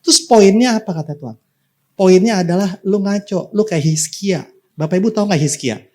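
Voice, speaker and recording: A man's voice: sits high, normal speed, mellow. A male pastor preaching a sermon in a church, in a casual, slangy way, often speaking straight to the congregation. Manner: casual and slangy, repeatedly addressing the congregation directly.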